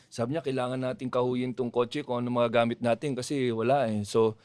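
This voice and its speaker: A man's voice: mid-range voice, level tone, a little fast, a little mellow, clean tone, no echo. A man, a comedian guest on a podcast, rambling through a long joke and acting out the quotes. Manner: rambling storytelling with acted-out quotes and laughter.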